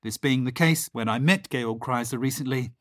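A man's voice: mid-range voice, moderate pace, a bit bright. A man narrating a scripted introduction for a radio feature. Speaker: radio presenter.

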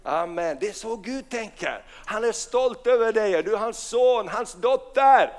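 Finland-Swedish male preacher, high clear resonant voice, fervent sermon full of amens and hallelujahs. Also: expressive. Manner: fervent, punctuated with amen and hallelujah; reads scripture slowly and deliberately.

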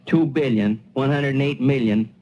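A man's voice: medium pitch, moderate pace, warm tone, natural voice. A man playing a self-satisfied, pondering small-town American family man in a 1940s radio play. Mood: boastful. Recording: dull, hissy vintage radio recording.

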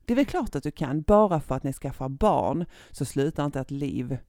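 A woman co-hosting a podcast, chatting in a relaxed, opinionated way. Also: low voice, no echo, studio quality. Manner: relaxed, opinionated, giggles between points. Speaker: podcast co-host. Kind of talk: casual podcast chat.

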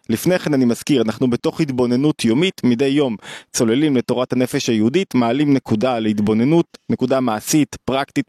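A man's voice: mid-range voice, a little mellow, no echo, clean studio sound. A middle-aged man delivering a daily video lecture on psychology, emphatic and repeating phrases for stress.

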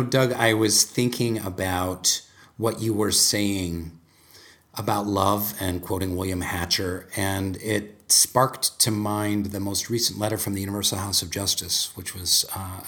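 A man hosting a podcast conversation, speaking in an earnest, measured way. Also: low voice, fairly bright tone. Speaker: host. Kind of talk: podcast conversation with a read passage.

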